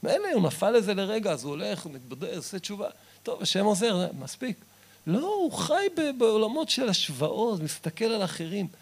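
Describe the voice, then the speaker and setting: Male preacher, high voice, fervent sermon that drops to quiet confiding asides. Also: very animated, breathy edge. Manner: impassioned, swings between loud exhortation and soft confiding talk. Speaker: Breslov Torah teacher. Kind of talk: sermon reading and explaining Hasidic text.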